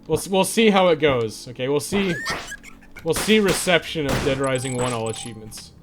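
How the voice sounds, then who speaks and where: A man's voice: a little high, expressive, moderate pace, noisy background. A man chatting casually as he streams a game, rambling and swearing freely as he goes. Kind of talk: casual livestream chat while playing.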